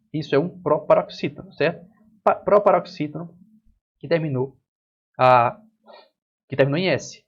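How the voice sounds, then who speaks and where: A man's voice: fairly high pitch, husky, dull audio. A man with a Brazilian accent teaching an online grammar lesson, explaining step by step and asking and answering his own questions. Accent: Brazilian Portuguese.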